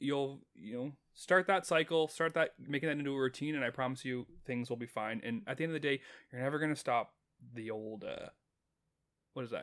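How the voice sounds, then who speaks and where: A man with a Canadian accent and a normal speaking voice talks at a fairly quick pace in a fairly high pitch, on a very clean recording with a silent background. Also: ordinary pitch variation. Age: 30s. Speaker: podcast host. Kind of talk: casual chat.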